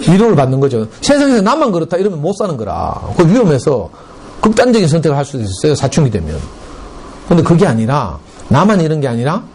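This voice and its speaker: A middle-aged man with a Gyeongsang Korean accent lectures a room of parents at a school, telling stories with lively, dialect-colored asides. His voice sits fairly high and swings widely in pitch, with a mellow, warm tone. A faint room hum runs behind him. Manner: lively storytelling with dialect and acted quotes.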